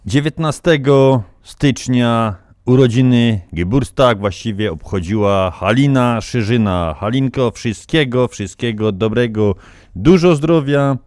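A man with a Silesian accent presents greetings in an informal, folksy way. His voice sits at a middling pitch and is recorded close and dry, with regional words mixed into casual chat. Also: unhurried, a little mellow, no room sound. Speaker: radio host reading listener greetings.

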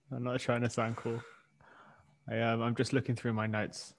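A man's voice: medium pitch, flat delivery, a little slow, creaky. A man with a British accent co-hosting a podcast, dry and understated in casual banter. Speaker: podcast co-host.

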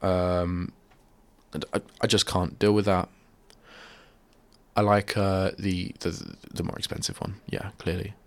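A man's voice: sits low, little pitch movement, measured pace. A male radio host with a stuffy head cold, chatting in a rambling, self-deprecating way at a studio microphone. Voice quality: bunged-up, nasal. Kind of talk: casual solo radio chat.

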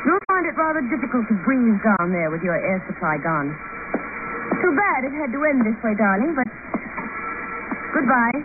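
A woman's voice: fairly high pitch, very animated, normal speed, pauses often, music in the background. A woman playing a treacherous, greedy female doctor in old-time radio drama, theatrical and taunting. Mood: cold gloating. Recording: tinny, noisy old radio recording.

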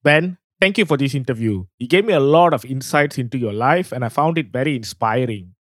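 A man hosting a podcast, reading a scripted outro in an earnest, steady way. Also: mid-range voice, a little fast, no room sound, clean studio sound. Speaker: podcast host.

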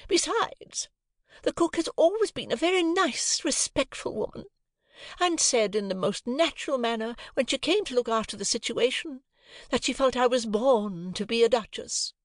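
A man reading an audiobook, voicing a haughty, self-pitying lady of the house in a shrill, indignant, pompous way. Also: lively intonation, moderate pace, dry recording, clean studio sound, lightly acted.

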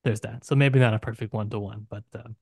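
A man co-hosting a podcast, talking through a book casually with emphatic, deliberate phrasing broken by pauses. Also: lowish voice, steady tone, warm tone, slightly rough, dry recording, studio quality. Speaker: podcast co-host.

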